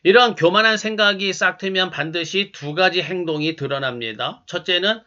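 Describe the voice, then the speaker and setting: A male pastor preaching a sermon in a calm, measured, instructive way. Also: sits high, lo-fi sound.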